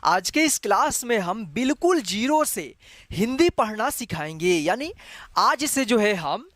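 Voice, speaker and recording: A man's voice: sits high, sing-song, measured pace, a bit bright, no room sound, clean studio sound. A man teaching an online Hindi lesson, patient and repetitive, often leaning on the same small filler phrase. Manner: patient, repeats each letter several times; habitual filler "jo hai". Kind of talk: slow online language lesson.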